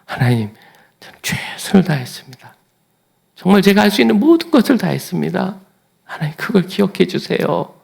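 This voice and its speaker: Man doing an old king begging god, raised pitch, earnest, gravelly. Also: very animated, fairly quick, darkish tone, heavily acted. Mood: pleading. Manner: pleading, earnest. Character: ancient male king pleading tearfully in prayer.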